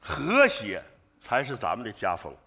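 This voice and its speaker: A man's voice: medium pitch, huge pitch swings, a little slow, gravelly, heavy background noise, heavily acted. An older actor playing a father-in-law who coaxes and lectures his family in a stage sitcom. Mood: lecturing. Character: good-humored father-in-law and head of the family.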